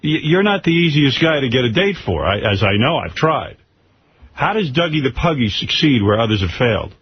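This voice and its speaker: A man's voice: medium pitch, very animated, brisk, slightly rough. A man hosting a radio show, bantering with callers and probing his guest with questions, often cutting in. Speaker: radio host. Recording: dull lo-fi radio recording with hiss.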